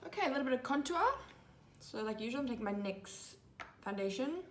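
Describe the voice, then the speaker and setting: A young woman in her twenties giving a casual makeup tutorial, chatty and full of "like" fillers, her voice a little hoarse. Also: a little high, lively intonation, fairly quick, roomy sound, noisy background. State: slightly hoarse, losing her voice. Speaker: makeup vlogger. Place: small indoor room before a grey backdrop.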